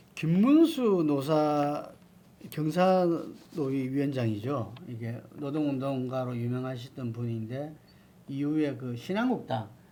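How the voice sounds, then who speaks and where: The man's voice is fairly high in pitch, with a dark, mellow tone. He speaks at a very slow pace with ordinary pitch variation. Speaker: interviewer, news outlet head. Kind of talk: interview question.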